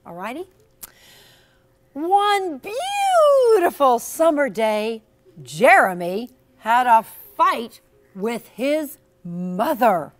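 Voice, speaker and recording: A woman's voice: sits high, wildly swooping pitch, drawn-out words. A woman storyteller doing an interactive read-aloud for young children, encouraging and teacherly, with theatrical emphasis. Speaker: storyteller and author. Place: in front of a class of children.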